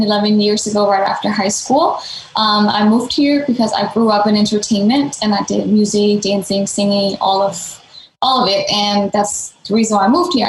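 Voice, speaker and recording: A woman's voice: mid-range voice, slight background noise. Woman in an echoey room. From Denmark. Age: late 20s. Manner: fluent, many fillers like "um" and "like". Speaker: guest, nonprofit founder. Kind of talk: casual interview storytelling.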